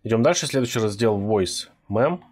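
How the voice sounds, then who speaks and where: Man, tutorial presenter, lowish pitch, husky edge, scripted narration. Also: lively intonation, moderate pace, a little mellow.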